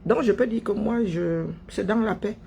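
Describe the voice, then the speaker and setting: Speaking at normal speed in a high-pitched, creaky and slightly mellow voice, a man from Cameroon gives a fervent political monologue as an online commentator. He leans on emphasis, rhetorical questions and deliberate repetition, over a little background noise.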